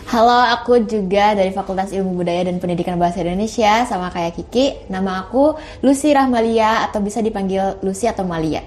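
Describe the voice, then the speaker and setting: A woman's voice: medium pitch, fairly quick, a little mellow, a little hiss or hum. A young woman, a university student, chatting casually as a podcast guest and laughing through her stories. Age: young adult. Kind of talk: casual chat.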